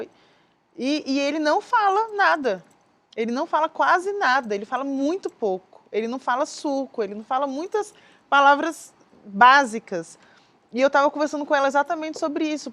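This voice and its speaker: High-voiced Brazilian co-host woman. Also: a bit bright. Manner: engaged, adds examples and agrees readily. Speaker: podcast co-host. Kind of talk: casual podcast chat.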